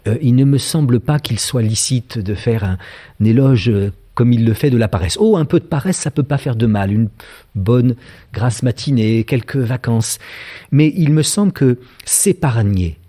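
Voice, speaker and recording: Lecturer, male, fifties, from France; warm, mellow voice, measured and hesitant delivery. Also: medium pitch, lively intonation. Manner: thoughtful, frequent hesitations with filler sounds. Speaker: philosophy lecturer. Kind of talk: public lecture.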